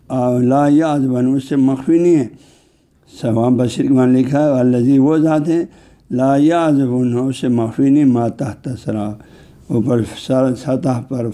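A male Islamic scholar giving a religious lecture, explaining terms word by word with frequent filler phrases and reading Arabic passages slowly. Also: medium pitch, dark tone.

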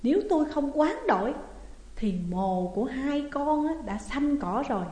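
A woman's voice: high-pitched, expressive, moderate pace, darkish tone, voice pushed up. A woman doing a stern ghostly mother. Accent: Southern Vietnamese. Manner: stern, grave. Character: stern ghostly mother speaking through a borrowed body. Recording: echoey room with long reverb.

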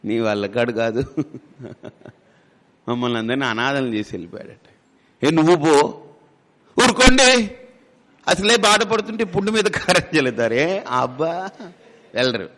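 A man's voice: medium pitch, expressive, normal speed, long pauses, fairly bright tone. A man as spiritual teacher giving a discourse, conversational, with rhetorical questions and humorous asides. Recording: long hall reverb.

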